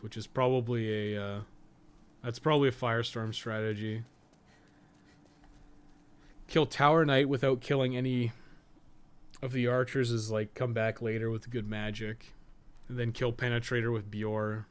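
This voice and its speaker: A man giving casual gameplay commentary, thinking aloud in a musing way, asking himself questions and trailing off into asides. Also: medium pitch. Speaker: podcast co-host and game guide writer.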